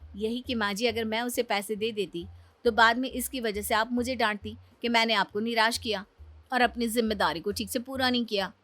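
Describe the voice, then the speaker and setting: A woman voicing a sensible young elder daughter-in-law in a Hindi cartoon, who talks in a calm, reasoning way. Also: on the high side, fairly quick, no room sound, lightly acted. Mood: firm.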